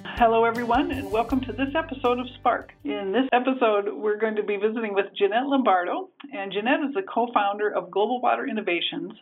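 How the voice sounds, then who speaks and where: A woman hosting an interview podcast, introducing her guest in a friendly, scripted way. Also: mid-range voice. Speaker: podcast host. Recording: tinny phone line.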